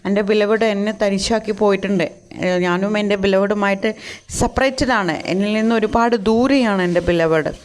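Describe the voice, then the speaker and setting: A woman explaining a folk song line by line, reading the quoted lines slowly and a little higher, with hesitant fillers. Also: rough recording. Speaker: teacher explaining a poem. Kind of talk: lecture mixing Malayalam and English.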